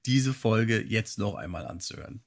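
A man with a husky voice moderating a casual podcast conversation as host. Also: on the low side, animated, moderate pace.

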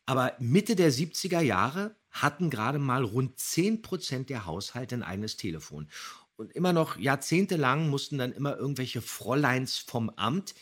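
Casting: middle-aged male podcast co-host, husky mid-pitched voice, casual, detailed, emphatic explainer. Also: sing-song, normal speed, a bit bright. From Germany.

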